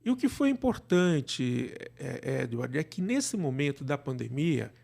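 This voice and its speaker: A man with a Brazilian accent speaking as an interview guest, conversational and halting, repeating words and adding tag questions. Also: medium pitch, big pitch swings, vocal fry, darkish tone. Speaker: interview guest, radio drama producer.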